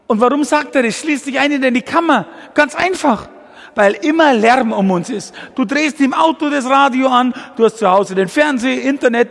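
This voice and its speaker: A very high-pitched man in his sixties with a gravelly edge delivers a lively testimony sermon. He talks directly to the congregation, jumping between tangents with plenty of energy. His voice rings out with a long church reverb. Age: 60s. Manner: energetic, addresses listeners directly as du, digressive. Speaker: guest preacher.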